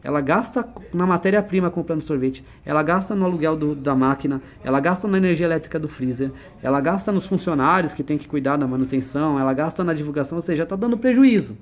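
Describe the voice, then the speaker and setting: A man's voice: on the high side, lively intonation, fast talker, hardly any pauses. A man explaining business ideas in a conversational one-on-one lesson, using everyday examples and questions.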